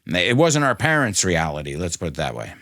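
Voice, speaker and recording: Middle-aged US-raised man, bilingual guest, animated and chatty, close dry mic. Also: low-pitched, a little fast, no room sound. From United States. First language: bilingual English and Spanish. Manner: animated, chatty, laughs often, many fillers. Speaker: ESL educator and podcast host, guest. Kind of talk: casual interview talk.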